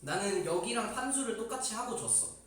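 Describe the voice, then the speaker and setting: Quick-talking young man with a higher voice. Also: lively intonation. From Gokseong, South Korea. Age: young adult. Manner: playful, fast-talking, acts out quotes. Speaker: guest on a livestream. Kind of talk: casual group chat on a livestream. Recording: roomy, distant mic, faint noise.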